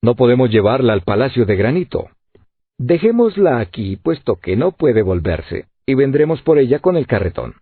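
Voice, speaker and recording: A man's voice: medium pitch, big pitch swings, moderate pace, breathy edge, no echo. A man voicing a flustered, defensive servant. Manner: defensive, exclaiming. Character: blunt grown male servant, easily flustered. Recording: tinny phone-like lo-fi audio.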